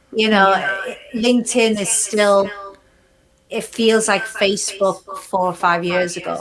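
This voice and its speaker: Leaving long, frequent pauses, a woman speaks at medium pitch in a monotone, flat intonation. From North East England (Geordie, Tyneside). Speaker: author and business coach. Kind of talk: casual interview chat. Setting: Facebook Live video call.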